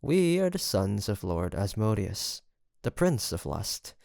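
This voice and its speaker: A man's voice: fairly low pitch, sing-song, unhurried, vocal fry, darkish tone, no room sound, clean studio sound, heavily acted. A man playing a seductive, teasing incubus demon in an intimate audio roleplay, with a theatrical, flirtatious drawl and a smug, sweet-talking manner. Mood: boastful, seductive.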